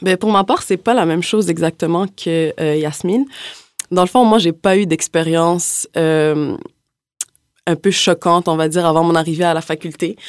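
In an unremarkable speaking voice, a woman talks at a fairly slow pace with fairly low pitch and very even loudness, the sound dry and close with no echo. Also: ordinary pitch variation. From Montreal, Quebec. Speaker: law student. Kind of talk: casual chat.

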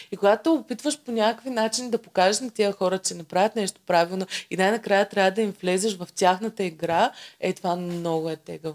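This woman has a normal speaking voice. Her pitch sits at a medium level and varies in an ordinary way. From Bulgaria, Karnobat. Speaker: reality show contestant. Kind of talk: casual interview.

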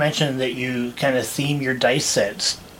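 A man's voice over noticeable background noise. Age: 50s. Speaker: podcast host and game master. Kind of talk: casual chat.

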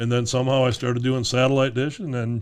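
Speaking at a fairly quick pace, a man uses a plain, everyday voice at medium pitch with fairly even intonation. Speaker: racing broadcast company owner. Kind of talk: casual chat.

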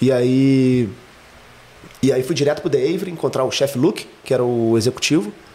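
A man's dark, mellow voice sits at a medium pitch, its loudness very even. He leaves long, frequent pauses. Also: ordinary pitch variation, moderate pace. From Brazil, Rio de Janeiro. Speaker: chef. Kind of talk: casual chat.

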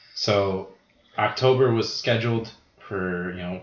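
With an American accent, a man talks at a fairly slow pace in a fairly low voice and fairly even intonation, amid audible room echo and noticeable background noise. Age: 30s. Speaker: wrestling promoter and wrestler. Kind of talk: casual chat.

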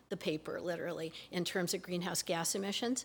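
A woman with an unremarkable speaking voice talks at medium pitch with fairly even intonation. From California (Pacifica), born in Maine. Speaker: political candidate, retired school teacher. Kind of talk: interview.

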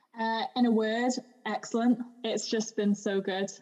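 Noticeable background noise runs under a woman talking at a moderate pace. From Shropshire, England. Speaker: dietitian. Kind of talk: casual interview.

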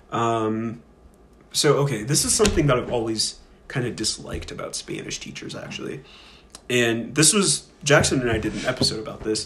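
With noticeable background noise behind him, a man speaks at a moderate pace and medium pitch, with ordinary pitch variation. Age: 20s. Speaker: language podcast host and Spanish tutor. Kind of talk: casual chat.

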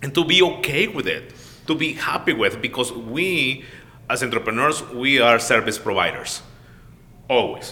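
A man's lively, moderately paced speech with a Salvadoran accent. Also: medium pitch for a man. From El Salvador. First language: Spanish. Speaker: entrepreneur. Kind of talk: casual chat. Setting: studio.

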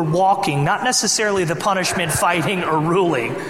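A man talks at a moderate pace over noticeable background noise, with audible room echo. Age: 30s. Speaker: pastor. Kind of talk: sermon.

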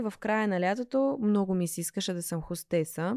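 Her voice sits at a medium pitch and rises and falls in an ordinary way. This woman keeps to a moderate pace. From Russia. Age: 20s. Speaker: Instagram influencer and blogger. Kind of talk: casual interview chat. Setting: studio.

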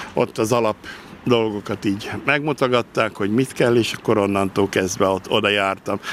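Noticeable background noise sits behind a man with a fairly low pitch and very even loudness. He keeps a moderate pace and fairly even intonation. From Nógrád County, Hungary. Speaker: school cook. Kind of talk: radio interview. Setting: outdoors in a school courtyard.

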